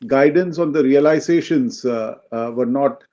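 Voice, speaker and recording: Male executive, mid-pitched and soft-toned, explaining business results haltingly on lo-fi call audio. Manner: halting, explanatory, checks with "right?". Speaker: company executive answering analysts. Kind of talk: unscripted business Q&A on an earnings call. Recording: dull, lo-fi conference call audio.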